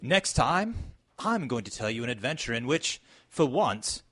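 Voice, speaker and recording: An actor playing an excitable, genial gentleman sidekick in a radio mystery, with an exclamatory, theatrical manner. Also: mid-range voice, moderate pace, slightly rough, no echo, exaggerated voice. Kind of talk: old-time radio mystery acting.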